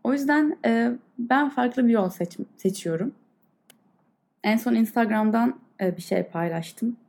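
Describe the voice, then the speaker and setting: A woman's voice: fairly high pitch, measured pace, darkish tone. A woman speaking earnestly and thoughtfully, with small halts, like a podcast host leading a reflective meditation talk.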